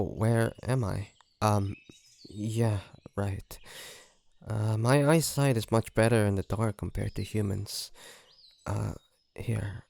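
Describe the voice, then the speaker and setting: A low-voiced, creaky male vampire, played by a man in an intimate audio roleplay. He is gentle and full of remorse, picking his words slowly and haltingly, with earnest pauses. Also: dry recording. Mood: concerned, gentle.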